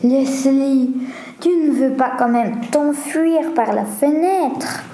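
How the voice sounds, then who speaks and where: A woman's voice: high voice, slow, warm tone, a little hiss or hum. A woman voicing Lenny, a nervous, ironic red-haired teenage girl in a story, hesitant and stammering. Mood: worried. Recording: roomy echo.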